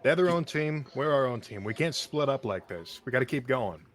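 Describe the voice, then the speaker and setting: A man's voice: medium pitch, animated, fairly quick. A man playing a tabletop game, speaking in character with firm, commanding lines to his team. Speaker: player.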